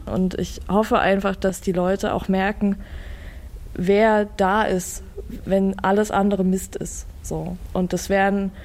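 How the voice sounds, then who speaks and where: A woman's voice: medium pitch, little pitch movement, slow, darkish tone. A woman from a cultural center giving an earnest interview statement in an outdoor courtyard, searching for words.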